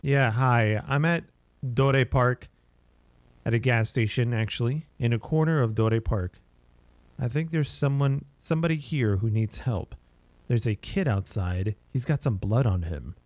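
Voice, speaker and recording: A man's voice: mid-range voice, measured pace, darkish tone, no echo, natural voice. A man reading game dialogue aloud as an uneasy, tipsy gas station worker phoning the police, hesitant and rambling.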